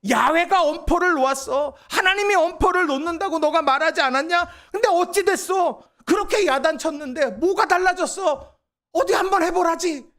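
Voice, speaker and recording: A man voicing scornful townspeople who jeer and taunt, half shouting. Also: very high voice, normal speed, voice pushed up. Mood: mocking. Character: mocking jeering townspeople, scornful.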